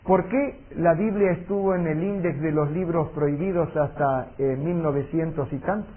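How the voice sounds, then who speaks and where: A man teaching a Bible seminar, earnest and emphatic, slowing down for solemn warnings. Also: fairly high pitch. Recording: tinny lo-fi audio recording.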